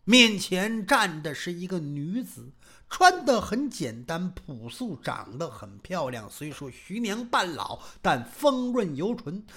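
A woman tells a traditional martial tale in an animated performance, dropping jokey asides to the listeners. Her voice is bright and forceful. Her pitch leaps widely from line to line. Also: slow pace. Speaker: storyteller.

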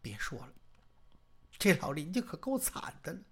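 A woman doing a guilt-ridden lady of the house in a spoken storytelling act, speaking lower and quieter than the narration. Her questions come out hesitant and pleading, with a husky touch to the voice. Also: sing-song, normal speed, exaggerated voice. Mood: sorrowful. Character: troubled wealthy wife with a guilty past.

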